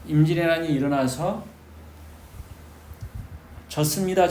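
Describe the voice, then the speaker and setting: A man with a slightly high, darkish voice lectures his students on history ahead of their exams, stressing points emphatically and asking them rhetorical questions. The recording is echoey with faint noise in the background.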